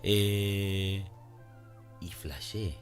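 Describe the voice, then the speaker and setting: Argentine male co-host, low voice, rambling informal anecdotes with faint music underneath. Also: extremely slow. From Punta Alta, Argentina. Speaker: radio co-host. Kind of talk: casual anecdotal chat.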